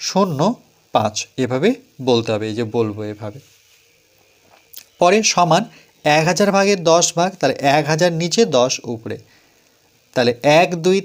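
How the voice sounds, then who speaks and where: Patient man explaining math step by step. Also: a little high. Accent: West Bengal Bengali. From West Bengal, India. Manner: patient, repeats and counts steps aloud, asks and answers own questions. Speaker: math teacher.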